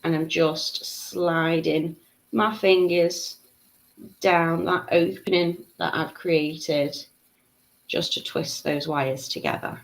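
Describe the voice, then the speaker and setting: A woman's voice: low-pitched, steady tone, slow pace, rough recording. A woman, giving a live craft tutorial, chatting and laughing as she reads out viewer comments. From Liverpool, England. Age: 30s. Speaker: beading tutor.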